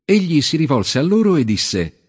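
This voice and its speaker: A man narrating a scripture audiobook in a measured, solemn reading voice. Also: a little high, big pitch swings, husky. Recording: long hall reverb.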